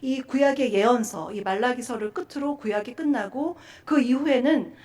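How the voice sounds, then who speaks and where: Woman pastor preaching, fairly high voice, earnest, lots of little fillers. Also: moderate pace, darkish tone. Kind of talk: sermon at a Friday prayer meeting.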